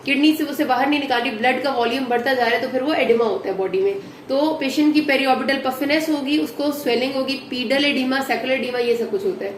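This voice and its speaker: High-voiced woman, patient medical lecturer, echoey room with faint hiss. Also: fast. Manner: patient, repeats key points with "ठीक है" checks. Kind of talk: explanatory lecture.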